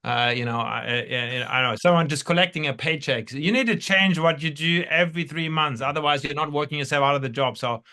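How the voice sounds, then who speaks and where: A German entrepreneur appearing as a podcast guest tells casual anecdotes in an interview. His voice is bright and higher-pitched for a man, and he halts, rambles, and repeats words.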